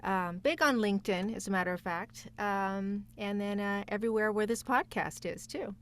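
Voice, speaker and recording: A woman's voice: medium pitch, normal speed. A woman talking casually as a voice actor guest on a podcast, encouraging and speaking straight to the listeners. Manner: encouraging, addresses listeners directly. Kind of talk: casual conversational interview.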